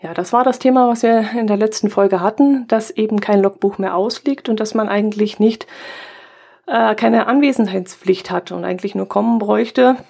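Slightly hoarse woman podcaster. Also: medium pitch, steady tone, moderate pace, darkish tone. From Allgäu, Germany. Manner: chatty, reads listener comments aloud, frequent "äh" fillers. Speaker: podcast host. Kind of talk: casual podcast chat.

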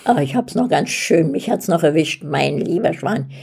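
A woman in her eighties from East Germany, hoarse, chatting and telling stories about her life in a casual interview. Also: sits low, normal speed. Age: 80s. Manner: chatty, laughing, lively storytelling. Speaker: interviewee, host's mother. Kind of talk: casual chat.

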